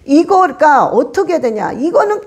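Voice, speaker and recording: Woman pastor, high voice, emphatic repeating preacher. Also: a little slow. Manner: animated, acts out congregants' voices. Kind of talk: sermon.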